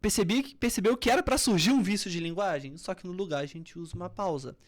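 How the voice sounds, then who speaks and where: A Brazilian public speaking coach talks in a podcast interview, her voice fairly low and her delivery fast. She is very expressive, moving between firm, loud emphasis and soft near-whispers to illustrate tone of voice.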